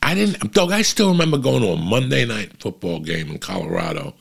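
Gravelly, foul-mouthed comic. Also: male voice, fairly low pitch, big pitch swings, brisk. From New Jersey. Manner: profane, blunt storytelling. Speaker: comedian. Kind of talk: casual rambling monologue.

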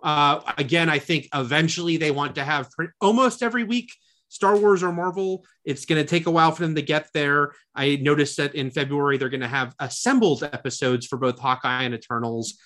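A man's voice: a little high, steady tone, fairly quick, sharp tone. A man co-hosting a podcast in casual chat, chatty and full of fillers and restarts. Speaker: podcast co-host.

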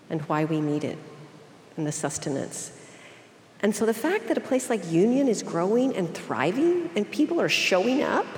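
A woman from Oklahoma with an Okie accent, speaking earnestly and deliberately as a guest in a reflective interview. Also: mid-range voice, darkish tone. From Oklahoma, United States. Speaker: interview guest, seminary leader. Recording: echoey hall, clear background noise.

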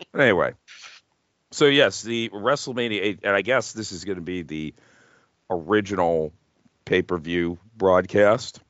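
A man's voice: low-pitched, a little slow, pauses often, a bit bright, no room sound, dull audio. A man hosting a casual wrestling chat podcast, talking in a jokey, hyperbolic way with some swearing. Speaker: podcast host.

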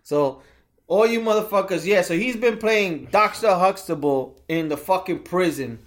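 A man's voice: sits high, moderate pace. A man co-hosting a casual, profane podcast chat who laughs often and throws in curses. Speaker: podcast co-host.

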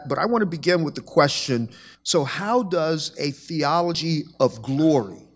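A man's voice: fairly high pitch, expressive, unhurried, husky. A man, a pastor, hosting a panel discussion in a church sanctuary before a live audience, joking and asking questions. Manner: jovial, leads with questions.

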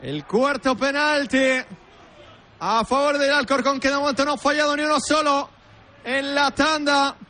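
A man's voice: very high voice, normal speed, bright, forceful tone. A man giving live radio football commentary on penalty kicks, emphatic and fond of repeating phrases.

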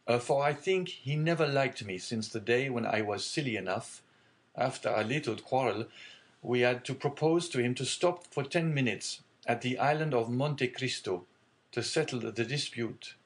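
A man reading aloud and voicing an earnest, respectful young sailor who speaks gravely and eagerly. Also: medium pitch, close to an everyday voice. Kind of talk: audiobook character reading.

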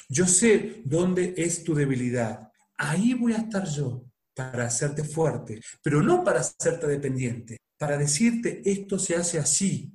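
A man's voice: fairly high pitch, darkish tone, roomy sound. A man in his forties with an Argentine accent, a psychologist talking about parenting in a reflective, explanatory way, often asking rhetorical questions. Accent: Argentine Spanish. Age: 40s. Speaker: psychologist guest. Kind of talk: conversational talk on parenting.

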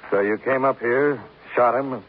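An actor playing a laconic insurance investigator who narrates and talks terse and matter-of-fact in a 1950s radio drama. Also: male voice, mid-range voice, steady tone, unhurried, lightly acted. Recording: tinny, lightly hissy old radio broadcast.

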